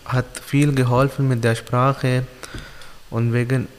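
A man's voice: mid-range voice, level tone, in a large hall, slight background noise. Young man, hesitant learner's German. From Pakistan. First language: Urdu. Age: young adult. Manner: simple learner's German, many pauses and fillers. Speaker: interviewee. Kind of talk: halting interview answers.

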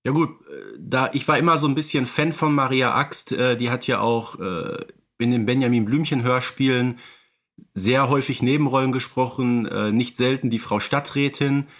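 A podcast co-host chats casually about radio plays, hesitating often and dropping lots of "äh" fillers. His medium-pitched voice is a bit bright and expressive, moving at a normal speed.

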